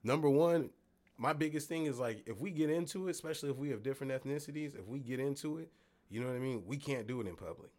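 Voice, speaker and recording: A man's voice: medium pitch, quick pace, darkish tone. Laid-back slangy young man. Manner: loose, laughing, slangy. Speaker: podcast co-host. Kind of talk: casual chat.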